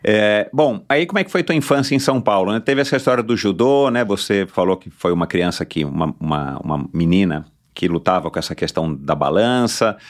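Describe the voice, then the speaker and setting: A man's voice: sits low, expressive, brisk, hardly any pauses. A man hosting an interview who backs the guest with short affirmations and asks long, rambling questions. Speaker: interview host. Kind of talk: casual interview talk.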